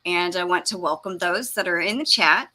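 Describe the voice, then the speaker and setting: A woman hosting a casual live-stream chat. She reads out viewer comments, laughs often and fumbles with the streaming software. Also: lowish voice, moderate pace. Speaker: host.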